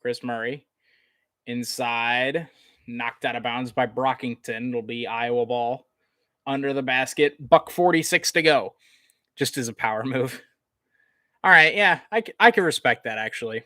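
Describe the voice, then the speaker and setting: A man's voice: mid-range voice, normal speed, sharp tone, dry recording, clean studio sound. A man doing live play-by-play basketball commentary from his room, slipping into informal, conversational asides with viewers. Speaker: sports livestream play-by-play commentator.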